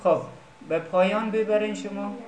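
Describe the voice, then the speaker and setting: A man's voice: high-pitched, fairly even intonation. A man teaching Quran recitation, patiently questioning and correcting his students. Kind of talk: classroom teaching. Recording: echoey room with crowd noise.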